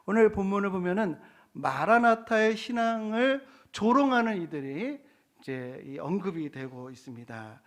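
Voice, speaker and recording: A middle-aged male pastor delivers a sermon in a somewhat high voice. He speaks earnestly and keeps turning to his congregation with rhetorical questions. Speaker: senior pastor.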